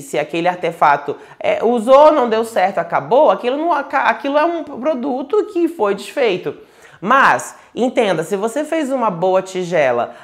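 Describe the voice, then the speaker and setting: A man from Manaus with a Manaus Portuguese accent gives a casual, chatty online lecture as a tarot teacher. He talks at home, digresses often, restarts his sentences and keeps checking in with tag questions. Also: sits high. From Manaus, Brazil. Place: home, indoors.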